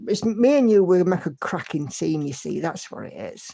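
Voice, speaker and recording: A woman's voice: on the low side, animated, moderate pace, vocal fry, dark tone. A woman hosting a livestream, chatty and encouraging as she reads out viewer comments and hums to herself. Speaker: livestream host. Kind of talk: casual chat reading viewer comments.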